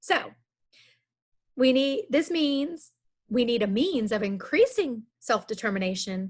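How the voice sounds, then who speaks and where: Using lively intonation, a woman speaks in a fairly high voice at a fairly slow pace. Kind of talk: webinar presentation.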